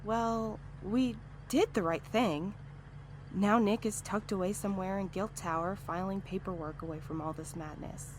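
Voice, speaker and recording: A woman's voice: mid-range voice, normal speed, a little hiss or hum, natural voice. A woman playing a sensible, anxious peacemaker with dry humour in an audio drama. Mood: matter-of-fact.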